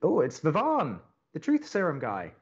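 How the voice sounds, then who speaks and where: A man's voice: on the high side, wildly swooping pitch, normal speed, dull audio, over loud music. A man playing an upbeat, chatty young college radio co-host in an audio romantic comedy, earnest and wry. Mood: wry, awkward.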